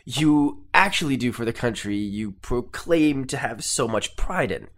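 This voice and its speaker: A man plays an earnest, polite Canadian TV interviewer with a Canadian accent. He stammers and restarts as he presses his questions, his voice at a middle pitch but lively in its rise and fall. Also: measured pace, heavy background noise.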